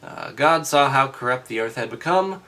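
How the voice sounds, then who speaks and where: Male reader-commentator, mid-pitched, just out of bed; casual, halting read-aloud with dry, doubting asides. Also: animated, sharp tone. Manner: skeptical, wry asides. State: just woke up. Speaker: host reading aloud and commenting.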